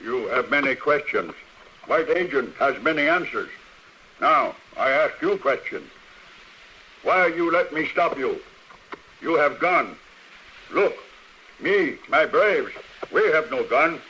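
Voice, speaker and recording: An actor playing a stern, suspicious Old West tribal leader who speaks in terse, commanding broken English, in old-time radio style. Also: male voice, fairly high pitch, animated, takes it slowly, pauses often, pushed and bright, exaggerated voice. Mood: stern, guarded. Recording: noisy old radio recording.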